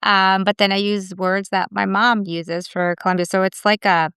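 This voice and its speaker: A woman's voice: mid-range voice, level tone, normal speed, a bit bright, smooth, dry recording, studio quality. A woman, an immigration attorney, reflecting in casual conversation and telling personal stories with many "like" fillers. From United States.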